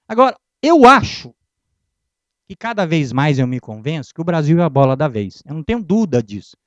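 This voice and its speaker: Lively high-voiced man telling stories. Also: fairly quick, no room sound. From Brazil. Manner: animated storyteller who acts out dialogues. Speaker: guest lecturer. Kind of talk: humorous motivational lecture. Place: lecture hall. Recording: dull lo-fi dry lecture recording.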